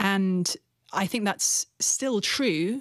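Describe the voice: A woman with an English accent talks at a very slow pace in a medium pitch, using ordinary pitch variation. The recording is very clean, with a silent background.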